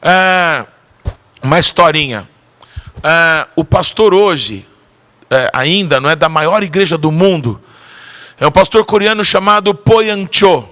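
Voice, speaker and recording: A man's voice: fairly high pitch, expressive, measured pace, pauses often, pushed and bright. A male pastor preaching a sermon, telling a story and often calling for audience responses.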